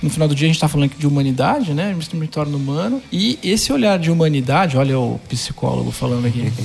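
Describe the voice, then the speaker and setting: A man with a fairly high pitch and ordinary pitch variation speaks at a very fast pace with hardly any pauses, over noticeable background noise. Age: 40s. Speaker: journalist. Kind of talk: casual chat. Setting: studio.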